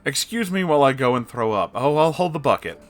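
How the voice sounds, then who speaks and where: A man reading a story aloud as host and reacting to it, with an expressive, exasperated and sarcastic manner. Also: medium pitch, fast talker. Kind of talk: story narration with reaction commentary.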